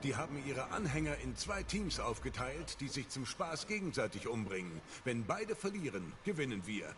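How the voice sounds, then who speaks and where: A man voicing a resistance leader in a video game, briefing the hero in a measured, dramatic way. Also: medium pitch, very animated, fairly bright tone, slight background noise. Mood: grave.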